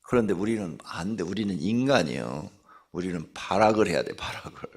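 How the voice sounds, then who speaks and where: A middle-aged male pastor preaching an early-morning sermon, chatting with the congregation through rhetorical questions and then shouting commands. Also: deep voice, fairly quick, husky. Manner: animated preaching, swings from soft asides to loud shouted commands. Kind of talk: dawn sermon.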